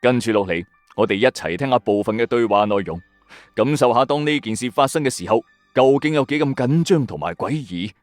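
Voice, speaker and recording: A man's voice: medium pitch, expressive, fairly quick, dry recording, faint music behind. A man with a Hong Kong Cantonese accent hosting a mystery show with dramatic scripted narration. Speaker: storyteller host of a mystery radio channel.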